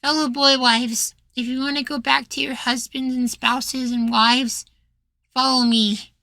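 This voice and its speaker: A man acting a sweet, anxious, devoted young boywife in a soft, pleading ASMR roleplay. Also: extremely high pitch, flat delivery, measured pace, creaky, slight background noise, heavily acted. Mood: earnest, forgiving.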